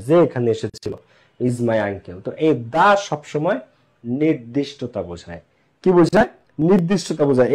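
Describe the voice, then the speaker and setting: A man's voice: mid-range voice, darkish tone. A man teaching English grammar in an online class, asking questions and answering them himself. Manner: asks and answers his own questions, repeats key points; slows down to spell out English examples.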